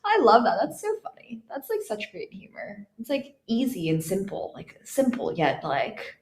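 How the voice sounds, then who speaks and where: Young female podcast co-host, giggly and rambling, animated pitch, roomy lo-fi sound. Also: normal speed. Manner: giggly, filler-heavy, rambling. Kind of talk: casual chat. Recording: echoey room, no proper mic.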